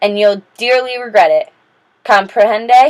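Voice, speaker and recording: A gravelly put-on character voice from a woman at a fairly slow pace. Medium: read story. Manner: calm, laid-back but menacing.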